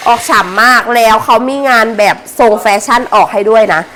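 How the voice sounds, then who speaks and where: A Thai woman selling clothes on a live stream in a chatty promotional pitch, with sweet polite address to customers. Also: fairly quick, noisy background. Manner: sweet polite particles, addresses customers as older sister and mother. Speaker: live-stream seller of secondhand clothing bales.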